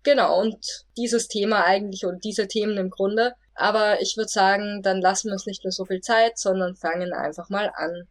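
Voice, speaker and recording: A woman's voice: medium pitch, steady tone, moderate pace, hardly any pauses. A person in their twenties from Austria with a woman-sounding voice, hosting a podcast in a friendly, slightly hesitant way. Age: 20s. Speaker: podcast host. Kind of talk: casual podcast chat.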